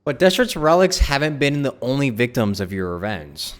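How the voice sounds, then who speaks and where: A man reacting casually to a game on a livestream, excitable and sweary, often repeating his phrases. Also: mid-range voice, normal speed. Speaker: game streamer. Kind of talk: casual live gameplay reaction.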